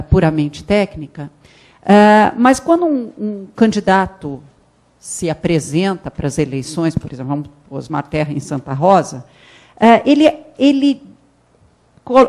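Animated woman speaking on a conference panel. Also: fairly low pitch. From Brazil. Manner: animated, gestures while speaking, many restarts and emphatic rises. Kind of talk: academic conference talk. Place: conference hall with a panel table. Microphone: handheld mic.

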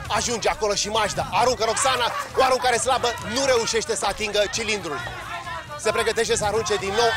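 A man giving live play-by-play commentary on a competition, calling each move quickly. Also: high-pitched. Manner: rapid, excited calls. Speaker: sports commentator.

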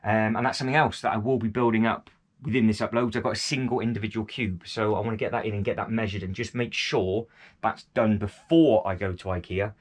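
A man's voice: on the low side, steady tone, fairly quick. A man chatting casually while painting and tidying his hobby room, repeating himself and joking at his own expense. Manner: chatty, self-deprecating, lots of fillers and repeats. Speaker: vlogger. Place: indoor hobby room at home.

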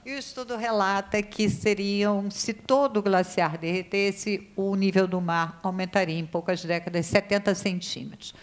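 A woman's voice: mid-range voice, fairly even intonation, moderate pace, few pauses. A woman speaks in a legislative hearing room. She talks in an emphatic, worried way, thinking aloud and restarting sentences. She shivers from the cold as she speaks. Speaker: committee member questioning experts. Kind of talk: spontaneous committee speech.

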